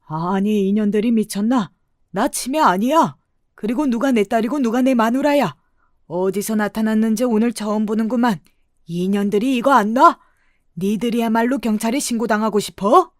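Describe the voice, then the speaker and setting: A woman's voice: a little high, moderate pace, no room sound, clean studio sound, lightly acted. Woman voicing a blustering elderly con man. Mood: indignant. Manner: shouting, indignant bluster.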